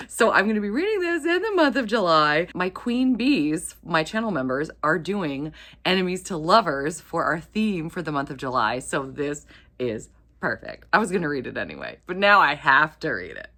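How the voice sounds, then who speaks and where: A woman hosts a casual book vlog in a fairly low voice. Her intonation moves up and down a lot as she talks. She is enthusiastic and gushing, dropping playful asides as she chats. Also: a bit bright. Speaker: book video channel host. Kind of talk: casual vlog chat about romance books.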